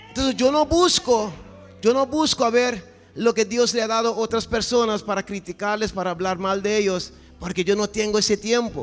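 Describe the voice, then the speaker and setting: Speaking at a moderate pace, a man has a high pitch with ordinary pitch variation. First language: not Spanish (speaking Spanish). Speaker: pastor. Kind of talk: sermon.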